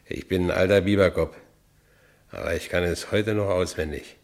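An actor playing a bitter, self-pitying working-class ex-convict in a radio play, colloquial and with a Berlin accent. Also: male voice, deep voice, normal speed, vocal fry. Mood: wry, brooding. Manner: colloquial, brooding. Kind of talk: first-person radio play narration.

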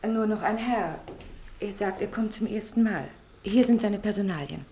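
Roomy-sounding, deferential nurse played by an actress. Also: female voice, mid-range voice, normal speed, mellow, close to an everyday voice. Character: deferential, dutiful female nurse in a doctor's practice. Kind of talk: German radio play acting. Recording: roomy, slightly noisy radio play sound.

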